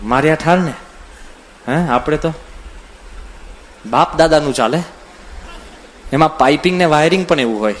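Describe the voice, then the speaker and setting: A man giving a storytelling sermon as a swami, full of lively anecdotes, acting out the voices of people in his stories. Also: on the high side, moderate pace, pauses often. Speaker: swami giving a religious discourse. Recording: audio from a CD recording.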